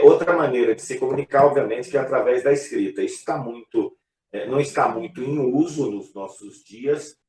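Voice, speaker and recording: A male pastor talks in a relaxed, conversational way, leaning on small fillers as he goes. His voice sits fairly low. He sounds a little distant from the mic, in a room with a noticeable echo. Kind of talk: casual church live talk. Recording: echoey room, voice from afar.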